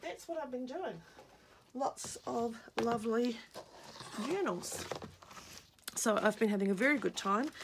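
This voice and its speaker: With noticeable background noise behind her, a woman speaks at a fairly slow pace with lively intonation and long, frequent pauses. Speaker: crafter selling handmade journals. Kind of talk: casual show-and-tell video. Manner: hesitant with many fillers.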